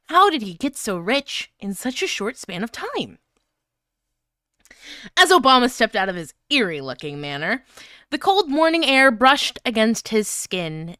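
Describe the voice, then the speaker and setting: A woman with a bright, fairly high voice reads fanfiction on a stream in a clean, dry sound. Her pitch moves around a lot, and she comes across as giggly and easily flustered. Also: clear, resonant tone, no room sound. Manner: giggly, flustered, breaking up while reading. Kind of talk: live fanfiction reading with casual chat.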